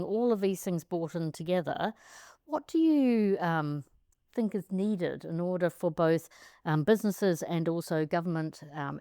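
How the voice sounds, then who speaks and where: A woman with a very low voice co-hosts the conversation, chatty and playful in her teasing. She steers toward questions with a lifting, curious tone, recorded close and dry. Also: dry recording. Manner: warm, chatty and teasing, rising pitch when she asks questions. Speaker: co-host, accounting academic. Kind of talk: conversational podcast chat. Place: outdoors by a pool.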